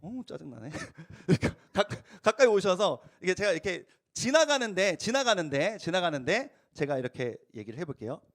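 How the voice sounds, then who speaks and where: A young male youth pastor leads a playful, interactive sermon at a church youth service. His voice sits unusually high for a man and leaps around animatedly. He talks to the students in a chatty, coaxing way. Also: big pitch swings, normal speed, hardly any pauses, a bit bright.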